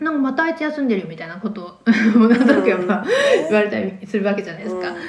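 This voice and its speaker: A woman at medium pitch and a very fast pace, lively in intonation, amid audible room echo and noticeable background noise. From Japan, Shizuoka. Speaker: startup founder and CEO. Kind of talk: interview.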